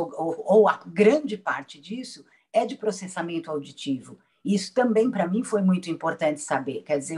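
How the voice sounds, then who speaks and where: A woman from Brazil, a patient, telling her experience in a casual roundtable, reflective and hesitant with restarts. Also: lowish voice.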